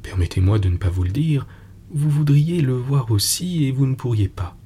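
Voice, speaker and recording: Give me a calm, secretive fairy governess, as a man reads her. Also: mid-range voice, normal speed, slightly rough. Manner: tranquil, guarded, gently firm. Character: calm mysterious woman governess called a fairy.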